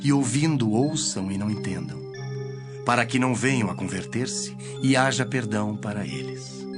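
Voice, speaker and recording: A man playing Jesus as a solemn, measured teacher in a dramatized audio Bible. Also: mid-range voice, close to an everyday voice. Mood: solemn teaching. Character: Jesus, solemn teacher telling parables to followers. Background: music.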